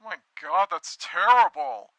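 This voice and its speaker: A man's voice: sits high, very animated, slow, fairly bright tone, no echo, highs cut off, exaggerated voice. A man voicing an earnest, awkward, brooding young man with a sad childhood in a conversational cartoon spoof, talking hesitantly and with self-pity.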